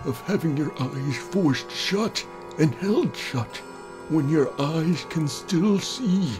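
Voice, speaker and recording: A man voicing a morbid, scheming old gentleman in a dramatic, drawn-out horror story reading. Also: a little high, lively intonation. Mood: morbid raving. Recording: voice over background music.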